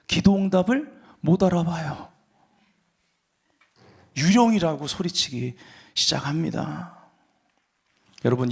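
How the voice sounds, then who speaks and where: A man's voice: a little high, gravelly, husky. A man preaching a Sunday sermon as pastor, explaining scripture and rising to fervent emphasis.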